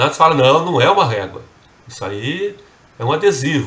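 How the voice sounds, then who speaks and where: A man with a São Paulo accent talks at a fairly quick pace, his pitch swinging very widely. Room echo is audible. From Brazil, São Paulo state. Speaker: Bible course teacher. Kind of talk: lecture. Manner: conversational, many fillers.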